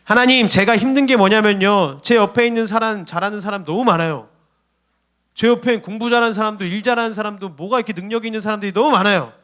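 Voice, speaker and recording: A timid young believer whines to God in a plaintive, high voice, as a male preacher puts him on. He sounds anxious and self-pitying. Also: racing, fairly bright tone. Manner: whiny, plaintive, pitched up.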